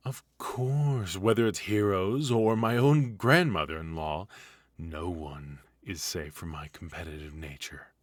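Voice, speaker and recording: A man's voice: low-pitched, a little slow, no echo, studio quality. A man playing a retired supervillain husband in a comedic ASMR roleplay, teasing and doting with a theatrical, conversational delivery. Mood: playfully competitive.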